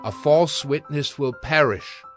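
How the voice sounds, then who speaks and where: A man giving a solemn, deliberate dramatized Bible reading as a voice of wisdom. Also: medium pitch, natural voice. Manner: measured, solemn, deliberate delivery. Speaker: scripture narrator. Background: music.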